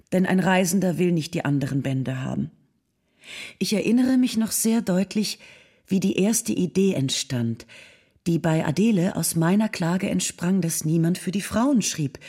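A woman playing an affectionate, encouraging nineteenth-century letter writer with a husky voice, in a dramatic reading. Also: on the low side, warm tone. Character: affectionate, encouraging 19th-century woman writing to an old friend.

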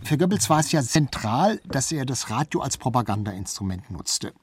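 A man's voice: mid-range voice, very animated, normal speed, slightly rough, no room sound. A man speaking as an expert interview guest, explaining things in detail with examples.

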